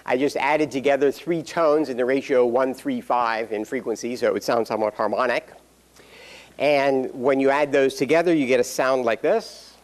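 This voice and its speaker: A man's voice: medium pitch, steady tone, normal speed. A man giving a university lecture, explaining step by step with dry jokes and frequent "um"s. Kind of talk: classroom lecture.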